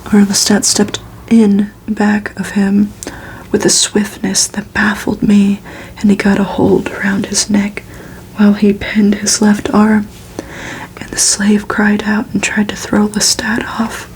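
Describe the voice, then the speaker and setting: Slow whispering woman reading a story. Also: mid-range voice, completely flat delivery, slight background noise, rough recording. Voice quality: breathy unvoiced whisper. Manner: slow, soft, unhurried delivery. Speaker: ASMR reader. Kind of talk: ASMR whispered novel reading.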